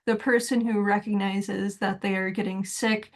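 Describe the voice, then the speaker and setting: A woman giving a reflective solo talk as a spiritual teacher, measured and thoughtful with soft laughs between points. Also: mid-range voice, fairly even intonation.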